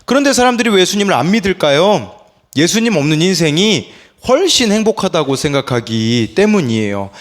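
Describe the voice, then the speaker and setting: A man's voice: sits high, sing-song, brisk. A man in his thirties, a pastor giving an early-morning devotional sermon. He keeps asking the listeners questions and acts out the quotes.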